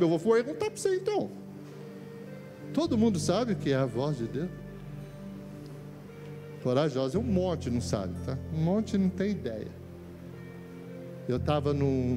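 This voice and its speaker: A man with a Brazilian Portuguese accent preaching a sermon, telling stories and swinging between quiet low asides and high excited bursts. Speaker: pastor. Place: church. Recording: music behind the voice. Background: worship music playing.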